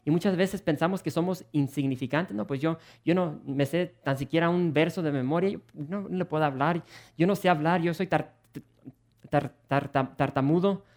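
A man delivers a sermon to his congregation, earnest and animated. His voice sits a little high for a man, and he often repeats words and restarts phrases. He keeps asking rhetorical questions and calls his listeners brothers and sisters. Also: a little fast. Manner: earnest and animated, with frequent word repetitions and restarts. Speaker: preacher.

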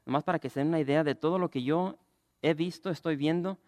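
A man, a pastor preaching a lively sermon and asking the congregation questions. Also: on the high side, fast talker, no room sound, studio quality.

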